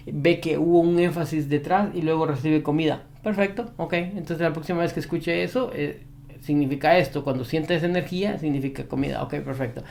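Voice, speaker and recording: A man's voice: on the high side, vocal fry, darkish tone, slight background noise. A man who trains dogs giving an advice monologue to camera, repeating his key points with emphasis. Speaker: dog behavior trainer.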